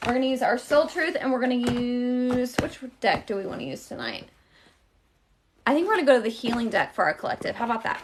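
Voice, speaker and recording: A woman with a slightly high voice hosts a live tarot card reading into a webcam. She chats freely with her viewers, calling them y'all. When she turns to guidance, her tone becomes calm and encouraging. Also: a little fast, slight background noise. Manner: chatty, addresses viewers directly with y'all. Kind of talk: live-streamed card reading and casual chat.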